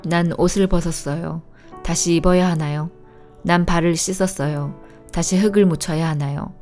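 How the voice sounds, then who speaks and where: A woman reading the Bible aloud speaks calmly and in a measured way, her fairly low voice warm and mellow. Soft instrumental music plays faintly in the background.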